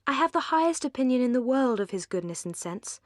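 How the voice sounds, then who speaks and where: A woman's voice: sits high, sing-song, brisk, no echo, studio quality, voice pushed up. A woman voicing a romantic, passionate teenage sister with an English accent, earnest and fervent.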